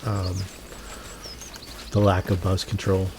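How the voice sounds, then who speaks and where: Low-voiced man muttering over a game. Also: monotone, takes it slowly, background noise. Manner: muttering to himself, sweary. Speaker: gaming channel host. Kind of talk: casual gameplay commentary. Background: music behind the voice.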